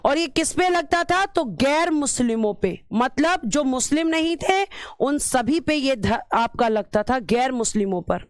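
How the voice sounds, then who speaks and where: Animated and unhurried, this high-pitched woman teaches an exam-prep lecture, calling students "beta," repeating key terms, and asking and answering her own questions. The sound is studio quality with no room sound.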